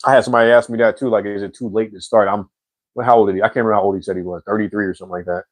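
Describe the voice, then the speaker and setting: A man's voice: lowish voice, racing, dry recording. A man in his forties hosting a casual live chat, reading viewer comments and answering in a slangy, easygoing way. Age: 40s. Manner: slangy and relaxed, says bro and man a lot.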